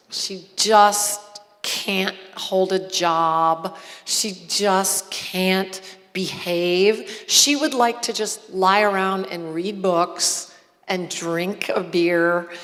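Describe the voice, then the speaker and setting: Audible room echo surrounds a woman who speaks very slowly at medium pitch, her intonation fairly even. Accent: American. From Michigan. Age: 60s. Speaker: novelist. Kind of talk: onstage author interview. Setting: auditorium stage with audience.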